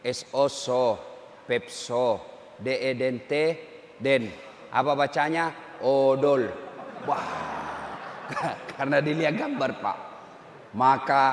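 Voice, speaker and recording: A man's voice: medium pitch, a bit bright. A man, preaching a humorous sermon and acting out characters in his stories. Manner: joking storyteller, acts out characters. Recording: echoey hall, faint noise.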